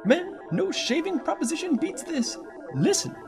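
A woman's voice: very animated, moderate pace, exaggerated voice. A woman doing a folksy gushing ad announcer. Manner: folksy, gushing pitch talk. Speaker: radio ad presenter. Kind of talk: old-time radio comedy ad. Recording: music bed under voice.

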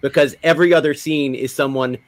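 A man's voice: on the high side, steady tone, a little fast. A man in a casual panel chat, talking in a joking, colloquial storytelling way. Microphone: video call.

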